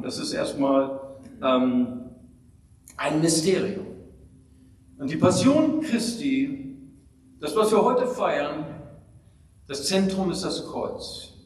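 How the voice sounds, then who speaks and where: A man preaching a sermon with emphasis, calling out amen and hallelujah between points and pausing often. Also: a little high, a little mellow, slight background noise. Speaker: pastor. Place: church hall. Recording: distant mic in a reverberant hall.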